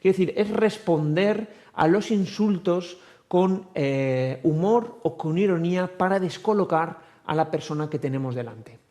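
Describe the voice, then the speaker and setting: A man speaking as a psychologist in a television interview, explaining patiently with examples and frequent pauses on "eh". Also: on the high side, lively intonation, mellow. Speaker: psychologist guest.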